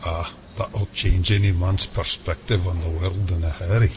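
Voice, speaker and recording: An actor playing a calm, friendly Scottish audio analyst with a Scottish accent. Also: male voice, sits low, moderate pace, lightly acted. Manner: calm, folksy, says lad and aye. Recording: noisy home-made audio drama.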